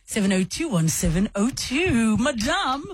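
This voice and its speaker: A woman's voice: a little high, sing-song, a little slow, slightly rough, no room sound. A South African woman hosting a radio show, chatty and effusive as she interviews a guest. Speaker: radio host.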